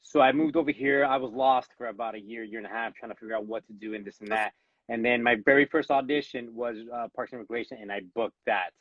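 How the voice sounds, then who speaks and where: A man with a medium-pitched, fairly even voice talks quickly in a dry, muffled recording made at home. Raised in Miami by Cuban parents after being born in Los Angeles, he has a Latino, Cuban-American accent. He is a guest in a casual live interview, discussing his acting career earnestly and frequently restarting sentences with repeated words.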